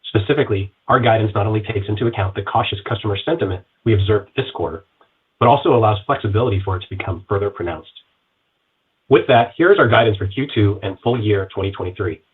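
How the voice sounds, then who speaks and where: Male finance exec, a bit low and raspy, reads guidance quick and formal, slightly muffled call sound. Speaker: company finance executive. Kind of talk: scripted earnings guidance reading.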